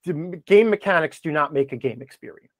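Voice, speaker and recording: Podcast guest, male, very lively intonation, dry close sound, emphatic explainer with firm opinions. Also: on the high side, fairly quick, no echo. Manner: emphatic, checks in with "okay" and "right". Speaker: podcast guest, game design commentator.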